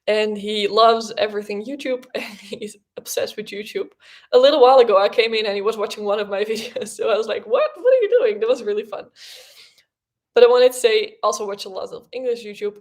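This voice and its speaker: A woman's voice: medium pitch, a little fast, a little mellow. A young woman whose first language is Dutch, chatting casually and rambling with many fillers as host of a livestream podcast.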